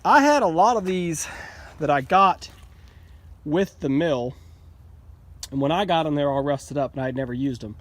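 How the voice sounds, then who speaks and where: A man's voice: on the high side, animated, normal speed, pauses often, fairly bright tone. Folksy man, a bit winded. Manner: plainspoken, folksy, explains as he goes. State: a little out of breath. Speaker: sawmill owner showing equipment upgrades. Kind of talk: casual how-to vlog. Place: outdoors at a sawmill.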